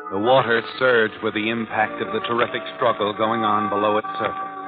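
An actor playing an ominous, all-knowing narrator who taunts in 1940s radio drama style. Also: male voice, on the low side, flat delivery, brisk, narrow, tinny audio, natural voice. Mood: grim, intense. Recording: band-limited old radio recording, music behind.

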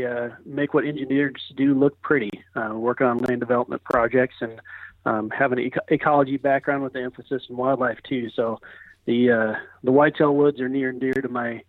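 A man heard over a phone line, a guest on an interview, talking in an easygoing way with pauses and filler words. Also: medium pitch, dry recording. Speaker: podcast guest, landscape architect. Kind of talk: casual interview chat. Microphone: telephone. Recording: tinny dry phone line.

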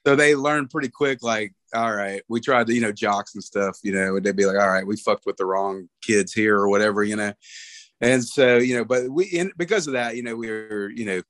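A man's voice: mid-range voice, a little fast, a bit bright, dry recording. A man talking casually about an old friend, rambling with many fillers. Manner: rambling, lots of "you know". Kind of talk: casual conversation.

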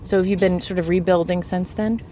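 Low-pitched woman hosting a podcast. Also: fairly even intonation, a little fast, dark tone, a little hiss or hum. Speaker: podcast host and interviewer. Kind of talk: conversational interviewing and scripted narration.

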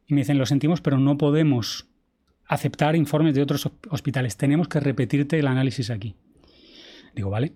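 Man telling a story, mellow tone. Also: mid-range voice, fairly quick. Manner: vivid retelling, acts out quoted dialogue, swears casually. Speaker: podcast guest, traveler. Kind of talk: casual storytelling interview.

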